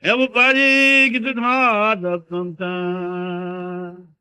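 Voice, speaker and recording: A man's voice: high voice, completely flat delivery, slow pace, sharp tone, clean tone. A man singing the blues over guitar, heard from a scratchy, hissing 1920s record. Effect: scratchy old 1920s record with hiss.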